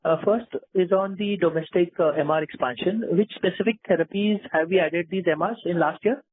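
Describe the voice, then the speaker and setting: A male analyst with a fairly high voice talks over a narrow phone connection. He puts his questions politely, with hesitant starts. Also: a little fast, slightly rough. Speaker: financial analyst calling in. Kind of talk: asking questions on an earnings conference call. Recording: narrow telephone line.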